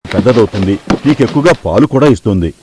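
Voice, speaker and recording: A man's voice: lowish voice, expressive, fast, background noise, natural voice. A man voicing a firm, persuasive old grandfather in a cartoon dub. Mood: firm persuading. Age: older. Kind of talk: Telugu cartoon dubbing.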